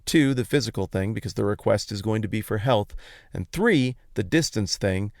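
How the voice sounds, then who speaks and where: Low-pitched man with a gravelly creak. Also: lively intonation, moderate pace, no echo, clean studio sound. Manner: conversational, explanatory, informal wording. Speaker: podcast host. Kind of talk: casual Bible teaching talk.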